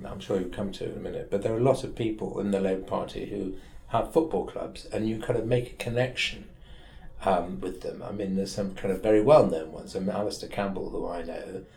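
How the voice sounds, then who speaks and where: A man's voice: deep voice, steady tone, brisk, gravelly, a little mellow, echoey room. A man in his seventies with a Manchester accent, a guest lawyer telling wry, rambling anecdotes in an interview from his office. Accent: Mancunian English. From England. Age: 70s. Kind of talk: storytelling in an interview.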